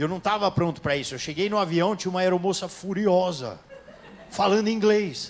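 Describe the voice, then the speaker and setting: Lively intonation from a man with a high pitch, at a moderate pace, over noticeable background noise. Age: 30s. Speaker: stand-up comedian. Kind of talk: stand-up. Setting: stage with audience.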